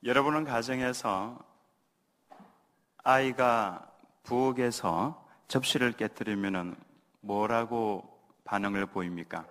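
Korean pastor preaching in a reverberant church. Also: male voice, mid-range voice, takes it slowly, long pauses. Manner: leads congregation in call-and-response reading; acts out gentle parental words softly. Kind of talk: sermon. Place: church sanctuary.

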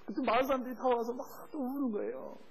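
A man preaching as a missionary, telling a story with lively acted-out quotes and frequent laughter. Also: very high-pitched, fast talker, creaky, slightly rough, low-quality recording. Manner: animated, acts out voices in quotes, laughs often. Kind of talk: sermon with storytelling.

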